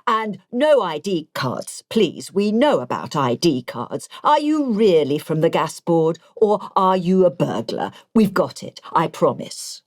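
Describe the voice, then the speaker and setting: Woman playing an impatient elderly gentleman. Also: fairly low pitch, sing-song, a little slow, few pauses.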